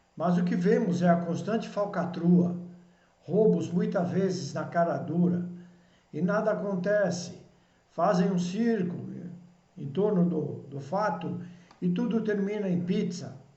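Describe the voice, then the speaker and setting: A high-pitched man speaking at a fairly slow pace, with long, frequent pauses and audible room echo. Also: fairly even intonation. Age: 60s. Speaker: spiritual teacher and commentator. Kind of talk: political commentary monologue.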